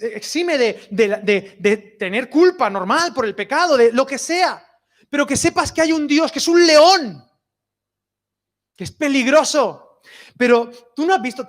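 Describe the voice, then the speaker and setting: A man preaching a sermon in a lively, conversational way, often dropping to soft, near-whispered lines. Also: extremely high pitch. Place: outdoor summer cinema.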